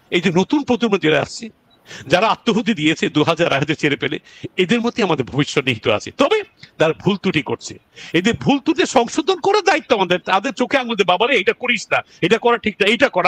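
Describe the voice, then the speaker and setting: A man, a guest commentator on a talk show, speaking earnestly and emphatically with frequent halting restarts. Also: very high voice, dry recording. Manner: earnest, emphatic, drifts between calm and raised passages; halting, with restarts and drawn-out fillers.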